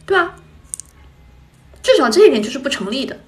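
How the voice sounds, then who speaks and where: A woman's voice: sits high, very fast. A young woman hosting a casual livestream chat, telling stories with lots of laughing and sighing into a phone mic. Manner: lively storytelling, frequent laughing and sighing. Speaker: idol livestream host.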